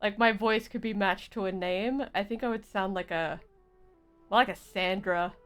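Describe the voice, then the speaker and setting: A woman's voice: medium pitch, moderate pace, clean tone, faint music behind. A young woman livestreaming a game, chatting casually with viewers in a playful, silly, exaggerated way. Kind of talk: casual chat with stream viewers.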